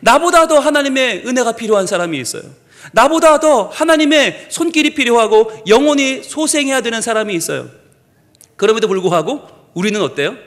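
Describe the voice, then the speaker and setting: Man, pastor, sermon, animated storyteller, very expressive pitch, echoing sanctuary. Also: brisk. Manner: animated storytelling, voices characters in quotes. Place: church sanctuary. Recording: long hall reverb in a church.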